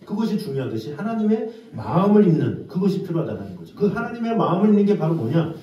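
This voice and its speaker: Animated Korean pastor in an echoey church. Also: male voice, fast, distant mic, muffled recording. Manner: animated, acts out pleading prayers in a high voice. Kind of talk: sermon. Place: church sanctuary.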